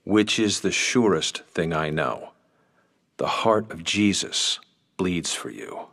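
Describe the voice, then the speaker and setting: An actor playing a seasoned, patient Catholic priest in a radio drama, a probing confessor who speaks in a grave, measured way. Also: male voice, low-pitched, very animated, creaky, fairly bright tone, heavily acted. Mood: solemn, consoling.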